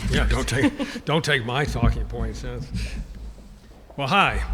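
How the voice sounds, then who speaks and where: A man's voice with audible room echo. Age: 80s+. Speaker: retired government official. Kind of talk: lecture. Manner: halting.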